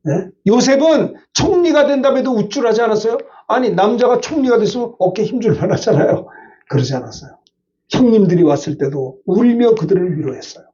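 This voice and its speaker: A man's voice: sits high, lively intonation, brisk, dark tone, recorded from a distance, highs cut off. An older male pastor preaching a Sunday sermon, emphatic, often turning to the congregation with short questions.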